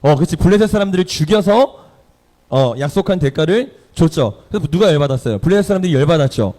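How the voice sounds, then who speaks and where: A man preaching to teenagers in a lively way, putting questions to his listeners. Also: a little high, fast. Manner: lively, quizzes the audience. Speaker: youth pastor. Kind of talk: sermon to teenagers. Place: church hall.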